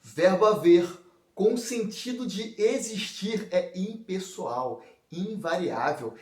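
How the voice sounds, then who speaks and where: A Brazilian man with a high voice teaches an exam prep lesson, walking through each point and checking in with his class. He sits a little away from the mic in a roomy space that echoes. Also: animated, slow, darkish tone, far from the mic. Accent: Brazilian Portuguese. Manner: explains step by step, checks in with "ok?" and "galera". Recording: echoey room, voice a bit off mic.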